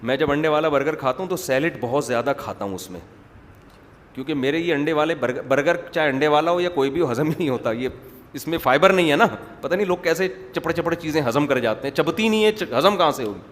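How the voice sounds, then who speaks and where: A man preaching a sermon, talking in a chatty, joking storytelling way. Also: a little high. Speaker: Islamic preacher. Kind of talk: sermon with humorous digressions. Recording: echoey hall with faint background noise.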